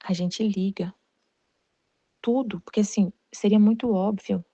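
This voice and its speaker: A woman's voice: medium pitch, fairly even intonation, unhurried, mellow, dry recording. Rambling Brazilian woman, dull lo-fi sound. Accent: Brazilian Portuguese. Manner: rambling, many restarts and repeated words. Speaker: Catholic study group leader. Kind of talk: casual personal testimony.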